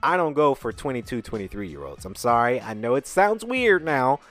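Man, late twenties, podcast co-host, casual rambling monologue, blunt and profane, pitch rises and falls a lot, faint music behind. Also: very animated, moderate pace, fairly bright tone. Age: 20s. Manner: chatty, keeps asking "right?".

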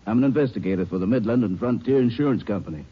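A formal insurance investigator who talks fast in a low, husky voice. He is businesslike, in 1950s radio acting style, on a muffled recording. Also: animated.

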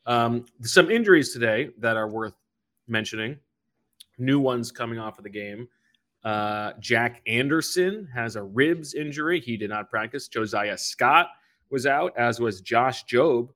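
A man hosting a sports talk show, speaking at a middle pitch. He walks through injury updates and lays out how roster rules work, in an easy conversational way. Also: expressive, moderate pace, a bit bright. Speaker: sports podcast host.

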